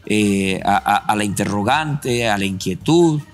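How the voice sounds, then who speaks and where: This man's voice is on the low side, expressive and a little slow, set against soft background music. As host of a Christian program, he offers sermon-like commentary on the testimony, reflective and preacherly, quoting scripture as he goes.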